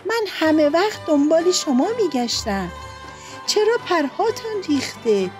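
A high, lively big white goose, voiced by a woman, earnest and persuasive. He speaks kindly but directly, a wise bird from a children's storybook, with faint music and a dry sound.

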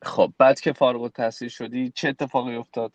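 A man's voice: mid-range voice, level tone, no echo, highs cut off. Iranian man interviewing, dry close sound. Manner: affirming, recapping what the guest said. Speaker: interviewer, host. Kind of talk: conversational interviewing.

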